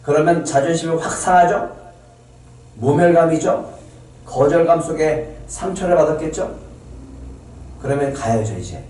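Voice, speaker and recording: A man's voice: a little high, normal speed, pauses often, a little mellow. A male pastor preaching a sermon in a church, emphatic and full of rhetorical questions to the congregation. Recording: echoey hall from far off.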